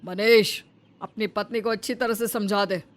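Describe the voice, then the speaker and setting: A woman's voice: medium pitch, fairly even intonation, moderate pace, close to an everyday voice. A woman voicing a stern, domineering older mother-in-law in a cartoon, scolding and commanding. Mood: threatening. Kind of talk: cartoon voice acting.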